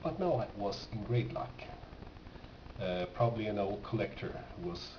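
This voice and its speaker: A native Swedish speaker with a Swedish accent shows off finds from his record collection in a casual, unscripted show-and-tell. His voice sits on the low side with lively intonation, and he speaks haltingly, often stopping mid-sentence. The amateur room recording sounds dull, echoey and noisy.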